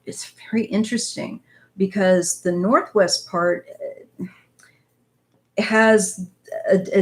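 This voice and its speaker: Reading comments on her tarot channel's live stream, a chatty, rambling woman in her 50s from northwest Missouri, USA, addresses viewers as "you guys." Her voice is lowish with a darkish tone.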